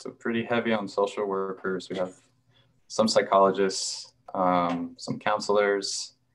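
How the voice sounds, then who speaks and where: A man's fairly slow speech with fairly even intonation against a quiet background. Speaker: webinar moderator. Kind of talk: hosting a webinar. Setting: video call. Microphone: video call.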